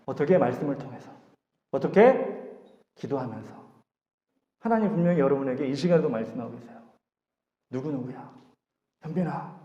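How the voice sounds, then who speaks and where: A man preaching a sermon to a youth service, lively and acting out voices in dialogue. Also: a little high. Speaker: youth pastor. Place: church sanctuary. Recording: echoey hall, dull lo-fi sound.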